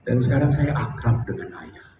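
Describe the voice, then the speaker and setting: Catholic priest preaching in an echoey hall. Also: male voice, mid-range voice, moderate pace, a little hiss or hum. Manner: joking with the congregation, then soft and heartfelt. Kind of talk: humorous storytelling homily. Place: church or hall before a congregation. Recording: echoey hall, speaker far from mic.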